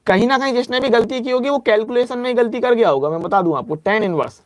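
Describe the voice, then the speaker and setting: A man's voice: very high-pitched, no room sound. A young man teaching an exam-prep maths lecture, working through sums aloud and repeating reminders to be careful. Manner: drills reminders, works sums aloud step by step; slows to dictate formulas, speeds up for asides.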